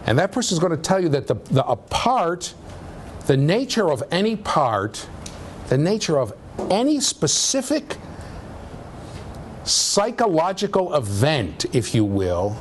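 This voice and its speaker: A man lecturing a university class in a conversational way, with a low voice, often checking in with "okay?". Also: sing-song, measured pace, slight background noise. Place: lecture room.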